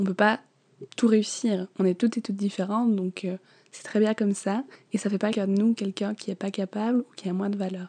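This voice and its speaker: A fairly quick, somewhat breathy, dark and mellow delivery in a flat monotone, with big swings in loudness and a dry, close sound with no echo. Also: woman, medium pitch for a woman. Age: 20s. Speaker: podcast host. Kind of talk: solo podcast talk.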